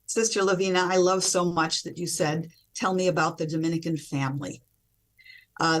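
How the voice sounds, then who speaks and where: A woman religious sister, a guest on a video call, explaining her community in a measured way. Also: on the low side. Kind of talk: explanatory interview answers.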